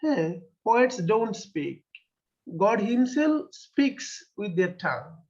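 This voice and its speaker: A man with a Bangladeshi accent, a poet whose first language is Bengali, talking in an interview with many pauses, fillers and restarts. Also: sits high, big pitch swings, background noise. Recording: dull lo-fi sound.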